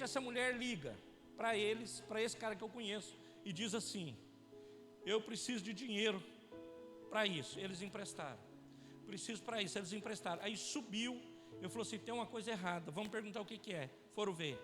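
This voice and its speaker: Male pastor, Brazilian Portuguese accent, high voice, emphatic repetitive sermon, echoing church hall. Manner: emphatic, repetitive preaching with direct address to the congregation. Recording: church hall with long reverb and faint music.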